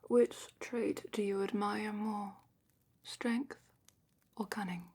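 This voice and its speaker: A woman playing a calm, probing dragon-academy examiner in a whispered ASMR roleplay, speaking softly and deliberately with thoughtful pauses. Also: medium pitch. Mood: probing, appraising. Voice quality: soft, breathy whisper.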